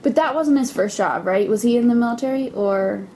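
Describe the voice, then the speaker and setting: A woman's voice: on the high side, fairly quick, a little mellow, a little hiss or hum. A woman interviewing a guest, asking curious, prompting questions in a casual way.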